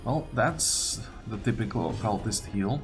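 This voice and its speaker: A man commenting casually on a game as he plays. He talks in short, muttered reactions with unhurried timing and a pitch that moves around a lot. Game music plays underneath. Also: animated. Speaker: gaming video creator playing and commenting.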